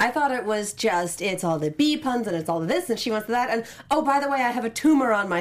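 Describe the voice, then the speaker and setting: Noticeable background noise accompanies a woman at a moderate pace. Her voice is fairly high, with lively intonation. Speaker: TV after-show panelist. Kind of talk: casual panel chat.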